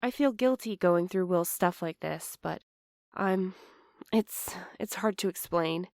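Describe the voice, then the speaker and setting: A woman playing an anxious, apologetic young postal worker in a fiction podcast, earnest and halting in her delivery. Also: lowish voice, darkish tone, no echo, studio quality. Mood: guilty, hesitant. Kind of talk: fiction podcast audio drama acting.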